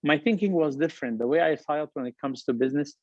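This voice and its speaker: A man's voice: a little high, quick pace, dry recording, muffled recording. A middle-aged man from Lebanon with a heavy Lebanese accent, giving an earnest, upbeat motivational talk about his business and his journey. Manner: earnest, upbeat, emphatic with repeated phrases. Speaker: restaurant company founder giving a talk. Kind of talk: motivational keynote speech.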